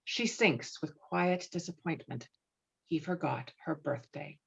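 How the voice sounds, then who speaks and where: A woman's voice: low voice, measured pace, gravelly, husky. Woman narrating screenplay directions, slightly muffled. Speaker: narrator reading stage directions. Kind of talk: scripted screenplay narration at a table read. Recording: slightly muffled online call audio.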